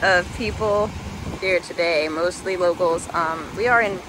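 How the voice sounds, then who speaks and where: A woman's voice: lowish voice, measured pace. A woman chatting casually as a parent filming a family vlog outdoors at the beach. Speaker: parent vlogging a family outing. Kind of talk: casual handheld vlog chat. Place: outdoors on a sandy beach at the water's edge. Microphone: handheld camera, held by the speaker. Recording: noisy outdoor beach ambience.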